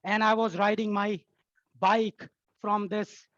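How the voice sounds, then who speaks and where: A woman telling a tall tale as a theatrical contest speech, in short, halting, dramatic phrases. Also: mid-range voice, flat delivery, no room sound, highs cut off.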